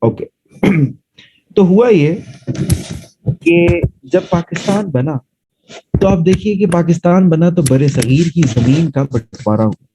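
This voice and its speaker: A man's voice: a little high, slow pace, pauses often, mellow, a little hiss or hum, poor audio. A man teaching a classroom lecture, explaining step by step and often checking that students follow. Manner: explanatory, asks students rhetorical check questions. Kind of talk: classroom lecture mixing Urdu and English.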